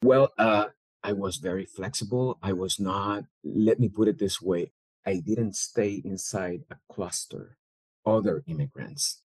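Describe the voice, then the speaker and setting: Low-voiced man, dry close mic. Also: a little slow, darkish tone, husky, no room sound. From El Salvador. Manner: thoughtful, with many fillers and restarts. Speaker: guest, business owner. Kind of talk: interview answers.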